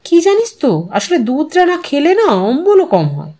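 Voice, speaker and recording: A woman narrator plays an older widow in an audio story. Her voice is high, and she probes gently and sympathetically, like the curious old school friend she is. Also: wildly swooping pitch, moderate pace. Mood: chatty. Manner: probing, sympathetic questioning.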